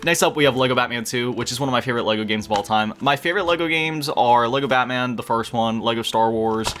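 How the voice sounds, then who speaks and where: A young man chatting casually about his video game collection, rambling with quick self-deprecating asides. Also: medium pitch, fairly bright tone. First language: English. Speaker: gaming YouTuber.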